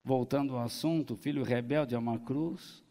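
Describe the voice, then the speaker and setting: A pastor delivers a folksy sermon, cracking jokes and acting out the people he quotes. His medium-pitched voice is mellow and moves at a moderate pace. The recording has a long hall reverb.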